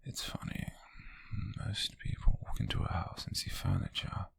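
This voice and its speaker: A British man playing an obsessive, possessive male stalker in an ASMR roleplay, speaking in a slow, breathy, raspy whisper, teasing and sinister, close to the microphone. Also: fairly bright tone, dry recording, natural voice. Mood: obsessive, hushed.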